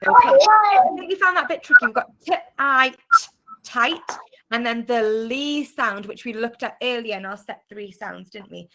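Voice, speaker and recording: Bright-voiced British woman teaching phonics. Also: fairly high pitch, expressive, normal speed. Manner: encouraging, clear sounding-out of letters. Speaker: primary school teacher. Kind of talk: online phonics lesson. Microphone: video call.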